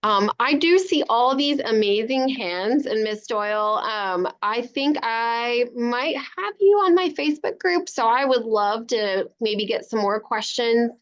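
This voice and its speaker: A woman's voice: fairly high pitch, animated, measured pace, few pauses, lo-fi sound. A woman, a children's book author, answering young children's questions in an encouraging, simple way on a live online event.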